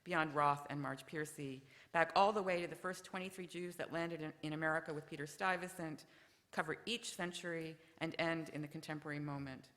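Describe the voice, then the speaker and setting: A woman giving measured prepared remarks at a memorial session, reading from her text. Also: sits low, steady tone, fairly bright tone. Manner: measured, ends with a told joke. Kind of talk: prepared remarks read aloud. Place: lecture hall. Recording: lecture hall reverb.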